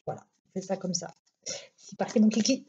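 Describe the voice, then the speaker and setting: A woman's voice: medium pitch, expressive, fairly quick, warm tone, a little hiss or hum. Chatty Belgian woman reading cards, lo-fi. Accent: Belgian French. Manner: chatty, rambling, many fillers, laughs often. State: recovering from illness. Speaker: tarot card reader. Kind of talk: casual card reading vlog. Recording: dull lo-fi home recording.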